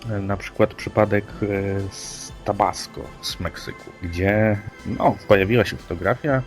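Male co-host, deep-voiced, conversational and hesitant, over a faint music bed. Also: normal speed. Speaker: podcast co-host. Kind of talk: conversational presentation of news reports. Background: background music.

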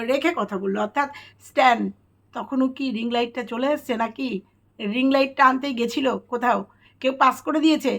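Woman vlogger, high voice, chatty and halting. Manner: chatty, hesitant with many fillers. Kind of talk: casual commentary to viewers.

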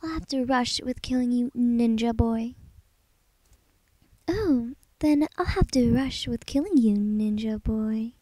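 A sadistic anime villain acted by a woman taunts in a slow drawn-out delivery. The voice is high and menacing, recorded very dry. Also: mellow, no echo. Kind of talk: dramatic anime-style audition reading.

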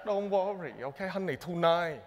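A man's voice: high-pitched, moderate pace, in a large hall, slight background noise, voice pushed up, natural voice. A man on stage voicing a frantic mother who keeps pleading with her husband not to worry.

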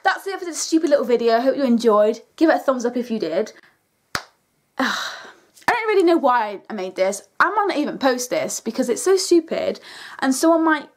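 High-pitched young British woman, casual. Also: sing-song, normal speed. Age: young adult. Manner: informal, slangy, self-deprecating. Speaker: video blogger. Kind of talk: casual chat to camera.

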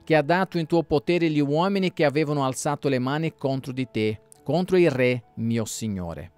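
A man's voice: fairly high pitch, animated, moderate pace, a little mellow, smooth, dry recording, faint music behind, lightly acted. A man reading the lines of an eager young messenger who pleads insistently. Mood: earnest.

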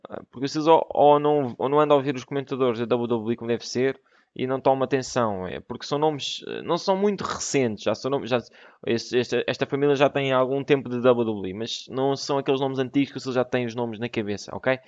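Excitable young man with a European Portuguese accent. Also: medium pitch, fast, no room sound, dull audio. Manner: excitable, bursts into exclamations and laughter. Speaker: gaming YouTuber. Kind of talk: let's play commentary.

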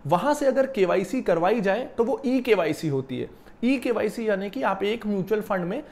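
A young man giving a lively explanatory video lesson about investing, seated in a small office and using a lapel mic. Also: sits high, moderate pace, gravelly. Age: young adult. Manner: animated, gestures while explaining. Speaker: finance educator.

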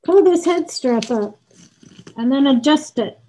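A woman speaking through a respirator mask, her voice muffled and hollow as she calmly explains each step of a safety demonstration. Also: high-pitched, a little slow. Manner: calm, instructive, gives short commands. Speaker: costume dye instructor.

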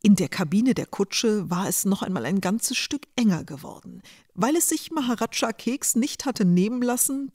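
A woman narrates a storybook tale in a mid-range voice. Her delivery is scripted and expressive, with a wry touch. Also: medium pitch.

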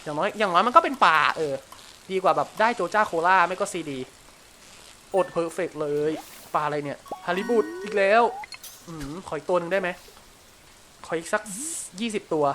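A man with a Thai accent giving casual, crude gameplay commentary, chatting to himself and shouting at the game when it frustrates him. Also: sits high, fairly quick, a little hiss or hum. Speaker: gameplay streamer.

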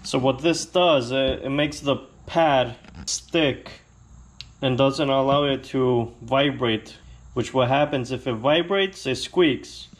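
A man hosting a casual how-to video, explaining a repair step by step in a relaxed, plainspoken way. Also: mid-range voice, slow. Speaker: motorcycle channel host.

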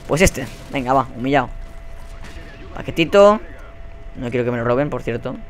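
Guy with a spain spanish accent commentating his game, swears a lot, gets loud and hyped, mid pitch. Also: moderate pace, soft background music. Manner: excitable and profane, bursting into shouts. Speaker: gaming YouTuber. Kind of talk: live gameplay commentary.

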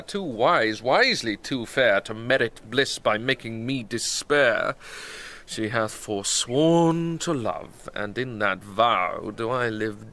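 A man's voice: mid-range voice, pushed and bright. An actor playing a lovesick, brooding young nobleman in a British-accented Shakespearean radio drama, speaking ornate verse with sighing, declamatory melancholy. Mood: despairing.

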